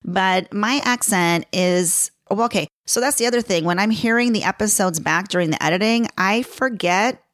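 A woman's voice: medium pitch, moderate pace, hardly any pauses, a bit bright, no room sound, clean studio sound. A middle-aged woman with a Chicago accent hosting her own podcast, chatting casually and laughing at herself as she talks. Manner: chatty, self-deprecating, laughs often. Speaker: podcast host. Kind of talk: casual solo podcast talk.

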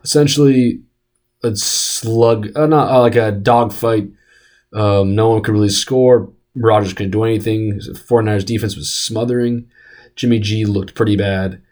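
A man's voice: lowish voice, normal speed. Rambling young man on a sports podcast. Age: young adult. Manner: animated, rambling with many restarts and fillers. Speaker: podcast co-host. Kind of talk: casual chat.

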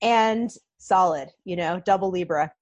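A woman chatting as a guest on a podcast, bubbly and talkative, full of quick asides. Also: fairly low pitch, lo-fi sound. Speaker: podcast guest, nonprofit founder. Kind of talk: casual podcast chat.

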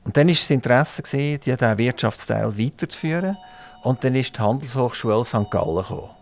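A man with a Swiss German accent hosts a radio interview from the studio. He chats easily and jokes, keeping up a steady run of follow-up questions at a middle pitch. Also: a little fast, vocal fry. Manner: chatty, jokey, asks many follow-up questions.

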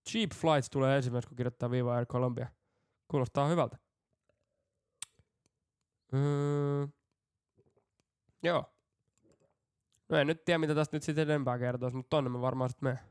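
A man's voice: medium pitch, long pauses, clean tone, dry recording, studio quality. A young man co-hosting a comedy podcast, joking and playful in casual chat. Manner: joking, playful, lively interjections. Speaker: podcast co-host.

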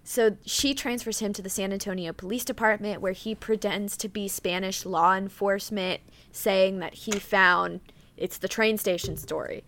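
A young woman co-hosting a true-crime podcast recounts a case in casual, chatty talk packed with "like" and "um," reading her notes aloud. Her mid-range voice is fairly bright, with fairly even intonation and a moderate pace, over slight background noise.

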